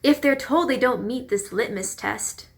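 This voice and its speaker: A woman's voice: on the high side, measured pace. A woman delivering pointed, emphatic scripted narration for a readers theater piece.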